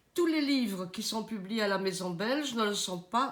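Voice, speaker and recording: Audible room echo is present. A woman speaks at a medium pitch. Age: 80s+. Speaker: self-published author. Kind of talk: casual monologue to camera. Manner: halting, with many hesitations.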